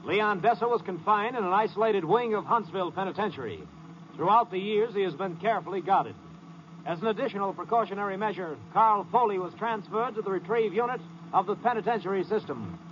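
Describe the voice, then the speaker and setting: An actor playing a solemn American narrator reading formal case results in 1950s radio style. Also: male voice, high-pitched, fairly quick, a bit bright. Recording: dull old radio recording, faint noise.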